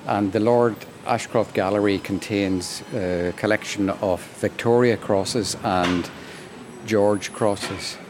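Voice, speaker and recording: A man's voice: fairly low pitch, steady tone, takes it slowly, background noise. An Irish man hosting, chatting with visitors inside a museum gallery and asking friendly follow-up questions. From Ireland. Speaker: podcast host interviewing museum visitors. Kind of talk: roaming vox-pop interview. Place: busy museum gallery indoors. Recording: busy museum crowd behind.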